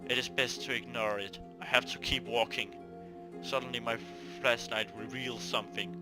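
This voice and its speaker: A man's voice: mid-range voice, fairly even intonation, normal speed, music in the background. A man hosting a gaming video, reading a visual novel aloud theatrically, stumbling over words and talking to himself between lines.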